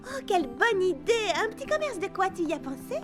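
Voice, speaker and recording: A woman's voice: very high voice, sing-song, fairly quick. A woman voicing a proud, overworked young girl shopkeeper, flustered and emphatic, in a French children's cartoon. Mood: delighted. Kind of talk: French animated children's dub. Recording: background music under dialogue.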